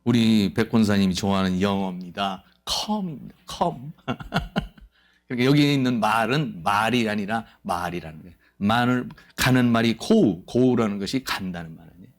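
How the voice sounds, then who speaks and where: A man preaching a sermon as pastor of a church, lively and playful, acting out quoted voices. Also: lowish voice, moderate pace. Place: church sanctuary.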